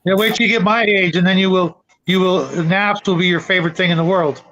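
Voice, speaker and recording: A man's voice: high voice, fairly even intonation, brisk, a bit bright, highs cut off, slight background noise. A middle-aged man hosting a casual livestream chat. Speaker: show host.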